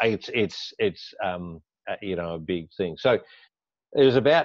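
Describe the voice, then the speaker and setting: An unremarkable speaking voice from a man, fairly low in pitch, with ordinary pitch variation and a moderate pace. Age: 60s. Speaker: webinar host, online trading promoter. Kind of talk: webinar presentation.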